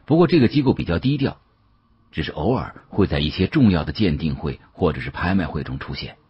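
Very deep, husky male audiobook narrator. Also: expressive, brisk, muffled recording. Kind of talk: dramatic first-person audiobook narration.

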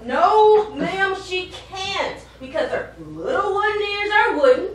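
A woman's voice: very high voice, sing-song, slow, full character voice. A woman acting on stage as an exasperated, sarcastic boss figure reasoning with a deluded performer in a comedy play. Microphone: far camera. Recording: very echoey theatre, distant, faint noise.

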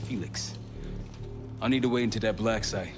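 An actor playing a male squad leader briefing his team in a game cutscene, brisk and matter-of-fact. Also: lowish voice, lightly acted. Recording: loud game music behind.

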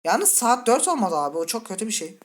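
A man's voice: high-pitched, big pitch swings, a little fast. Jumpy man narrating a horror game. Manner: jittery, scared, muttering and cursing at the game; talks directly to viewers. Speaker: gaming channel host. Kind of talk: let's play commentary.

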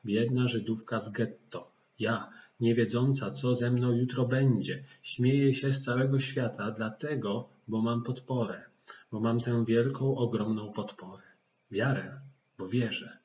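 A man's voice: medium pitch, darkish tone. Man reading a diary in a roomy recording. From Poland. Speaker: diary reader. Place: indoor room at home. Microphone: computer webcam, video call setup. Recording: roomy, dull, noisy webcam sound.

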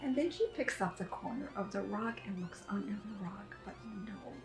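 An elderly woman reading aloud to young children as a preschool teacher, with simple, deliberate phrasing. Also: mid-range voice, expressive, creaky. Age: 70s or older. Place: furnished sitting room indoors. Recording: echoey room, music behind.

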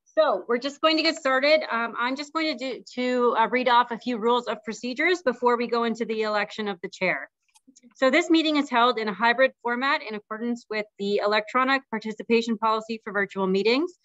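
A woman with a fairly high voice leads a formal meeting, switching between informal direction and read-out procedure. The sound is dry and slightly muffled. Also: a bit bright, dry recording. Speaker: meeting facilitator. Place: meeting room, hybrid video call. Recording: dull, muffled meeting audio.

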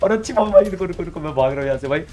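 Excitable fast-talking young gamer man. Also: a little high. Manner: excitable, repeats words rapidly. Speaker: gamer streamer. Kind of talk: live game commentary.

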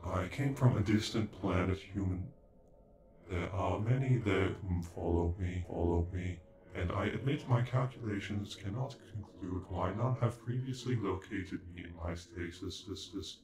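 A man's voice: low-pitched, unhurried, a little mellow. A man playing an ancient alien android in a sci-fi ASMR roleplay, speaking in formal, stilted, condescending phrases with glitchy robotic stutters. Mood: commanding. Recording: echoing, with music behind.

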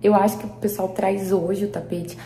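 A woman's voice: medium pitch, little pitch movement, normal speed, warm tone, a little hiss or hum. A Brazilian woman vlogging in a casual, chatty way, with a roomy echo from a bare living room. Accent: Brazilian Portuguese. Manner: chatty, keeps addressing viewers as friends. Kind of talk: casual vlog chat to viewers. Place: large living room with bare glass doors, indoors. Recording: echoey, half-empty room.

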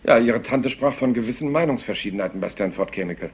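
An actor playing a polite, absent-minded police inspector who rambles apologetically and hesitantly in a crime drama. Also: male voice, mid-range voice, quick pace, breathy edge. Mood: musing. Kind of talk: dubbed TV crime drama acting.

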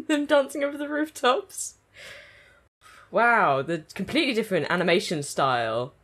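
A woman giving excited, gushing reaction commentary as she watches an anime episode, speaking into her own microphone. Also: mid-range voice, normal speed. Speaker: anime reaction channel host. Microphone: own desk microphone.

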